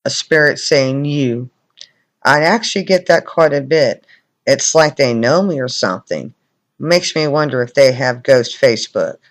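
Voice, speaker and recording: A man's voice: medium pitch, lively intonation, unhurried. Man presenting ghost recordings. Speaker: paranormal investigator presenting recordings. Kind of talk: scripted-sounding commentary on spirit recordings.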